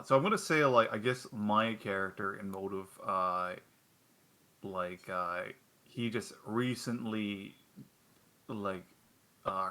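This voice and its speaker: A man with a bright, forceful voice chats casually between turns of a tabletop game. He stammers and restarts often and laughs at himself. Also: on the low side. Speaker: player. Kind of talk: casual chat between players.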